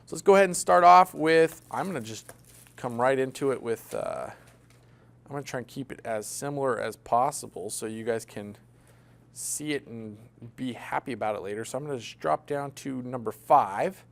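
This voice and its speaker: Speaking in a gravelly, mid-range voice at a moderate pace, a man gives an accounting lecture in a classroom. He's a casual, chatty instructor who jokes around and asks the class questions.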